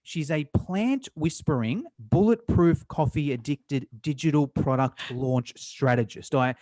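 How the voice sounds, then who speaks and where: An enthusiastic Australian man hosting a podcast interview, chatty with quick restarts. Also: fairly high pitch, mellow, dry recording. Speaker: podcast host. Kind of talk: casual interview chat.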